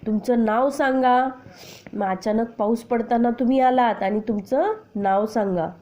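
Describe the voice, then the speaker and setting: A woman teacher explaining a children's poem to her class, reciting lines slowly and then explaining each word with questions to the pupils. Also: a little high, fairly even intonation, dark tone. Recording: dull lo-fi recording.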